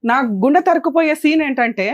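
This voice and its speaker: A woman advocate scolds guests quickly and emphatically in a fairly high voice. Her indignant lecture carries in a dry room with no echo. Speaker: advocate and show host. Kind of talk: stern lecture on a family dispute show.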